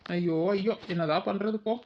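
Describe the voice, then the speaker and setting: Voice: medium pitch, steady tone, moderate pace, lightly acted. A performer voicing a young village daughter-in-law in a cartoon, whiny and muttering to herself. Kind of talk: cartoon voice acting. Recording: dull lo-fi recording.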